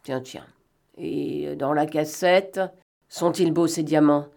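A woman reading aloud and voicing a cunning male gentleman thief who talks in a mocking, bantering way and snaps out brisk orders. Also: sits low, fairly even intonation, creaky, exaggerated voice. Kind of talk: audiobook reading.

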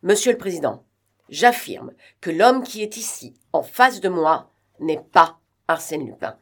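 A woman's voice: on the low side, lively intonation, moderate pace. Woman reading as an old police inspector. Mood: uneasy. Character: older male police inspector, uneasy, insistent.

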